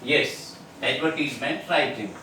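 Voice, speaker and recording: A man's voice: mid-range voice, a little slow, sharp tone. A man teaching a video lesson, earnest and repetitive, often calling to his students with hesitant fillers. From India. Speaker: English teacher. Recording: very echoey room, distant mic, faint noise.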